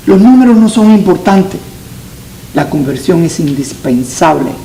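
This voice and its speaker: A Cuban-born man teaching a Bible class as pastor, his voice mellow and a little high for a man. He talks in earnest and repeats key lines for weight. A faint hiss sits under the recording. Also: vocal fry, low-quality recording. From Cuba. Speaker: pastor teaching Sunday school.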